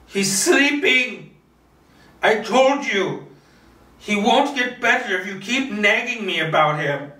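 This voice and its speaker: An anxious, lonely old widow acted out by a man in a screenplay read. The voice is raised and bright, with halting, pleading insistence, recorded in a roomy space. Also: sits high, animated, pitched above the performer's own voice, heavily acted. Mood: agitated denial. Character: lonely, anxious elderly widow hiding a secret. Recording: roomy, distant microphone.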